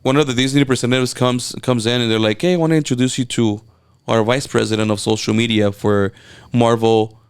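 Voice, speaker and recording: A man with a Mexican Spanish accent, a native Spanish speaker, chatting as a guest and telling excited stories with many restarts. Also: medium pitch, brisk, clean tone. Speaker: guest, event videographer. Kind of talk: casual interview chat.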